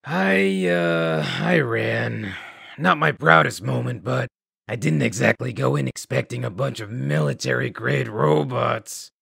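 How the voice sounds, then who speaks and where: A man voicing a weary, bitter, self-deprecating ghoul scavenger in a video game, raspy and gravelly, with grudging, halting delivery. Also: medium pitch, lively intonation, a bit bright, no room sound, studio quality, exaggerated voice. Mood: ashamed, worried. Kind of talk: video game dialogue acting.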